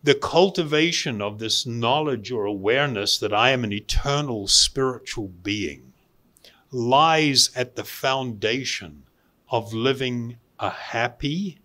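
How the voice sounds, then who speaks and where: Male spiritual teacher, mid-pitched, very unhurried delivery with pauses and emphatic repetition. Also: sharp tone. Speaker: spiritual teacher giving a talk. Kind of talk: spiritual lecture to a live audience.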